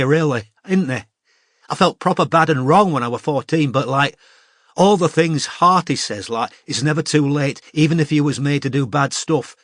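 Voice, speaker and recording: Guy doing a northern english teen girl, halting and tearful, higher voice, dry close sound. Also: dry recording, lightly acted. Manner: tearful, halting confessional talk. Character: troubled teenage northern English girl, fragile.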